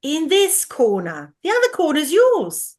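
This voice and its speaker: A woman playing a grave figure of the ghetto in a deliberate, declamatory theatrical style. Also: high-pitched, wildly swooping pitch, full character voice. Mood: curt, bitter. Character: grave female narrator and weary ghetto tenant. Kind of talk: theatrical recitation in a stage play.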